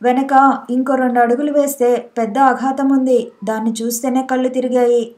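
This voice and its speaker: A woman reading a scared young wife just out of a bad dream, speaking in a high, mellow voice. she sounds breathless and shaky, as if the dream still has hold of her, in a storybook reading. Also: steady tone, fairly quick, lightly acted. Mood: frightened. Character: frightened young wife waking from a nightmare. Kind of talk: audiobook character voice.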